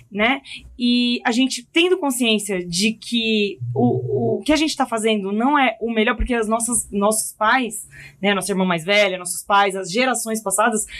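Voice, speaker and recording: A woman's voice: fairly high pitch, a bit bright. A middle-aged Brazilian woman, a mother, talking thoughtfully and hesitantly in a casual podcast chat. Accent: Brazilian Portuguese. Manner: thoughtful, hesitant, many fillers. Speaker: podcast guest.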